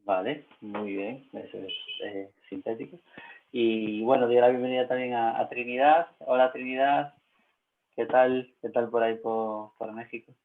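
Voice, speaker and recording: A man's voice: medium pitch, fairly even intonation, a little slow. Hesitant man from Spain on tinny audio. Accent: Spanish from Spain. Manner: hesitant, many filler sounds. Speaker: panel moderator. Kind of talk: casual online panel chat.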